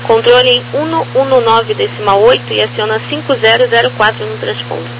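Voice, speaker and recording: A woman's voice: a little high, a little fast, creaky. A Brazilian woman working as a ground air traffic controller, giving clipped procedural instructions over aviation radio. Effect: crackly aviation radio. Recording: noisy crackly aircraft radio channel.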